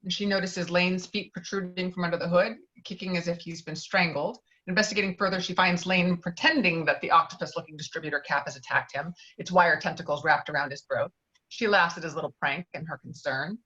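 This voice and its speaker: A woman's voice: fairly low pitch, brisk, bright, forceful tone, dull audio. A woman narrating stage directions in an amateur script table read over a video call.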